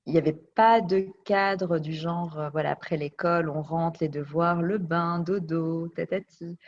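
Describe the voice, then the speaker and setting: A woman's voice: lowish voice, fairly even intonation, unhurried, a little mellow. A woman telling her life story as an interview guest. She speaks reflectively and searches for her words. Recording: dull lo-fi recording.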